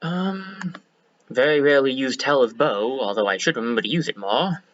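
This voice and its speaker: Casual male game streamer, slightly hoarse, bright tense tone, thinks out loud; dry, dull home mic. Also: mid-range voice, expressive, normal speed. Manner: chatty, self-correcting, thinks aloud. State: a bit hoarse. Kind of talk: casual let's-play commentary.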